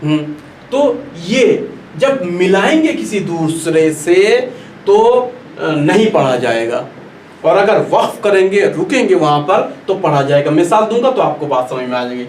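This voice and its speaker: A man's voice: high voice, very animated, a little slow, darkish tone. A man teaching a Quran recitation class, patiently repeating and stretching out each example word. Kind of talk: classroom lesson. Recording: echoey room, distant mic, faint noise.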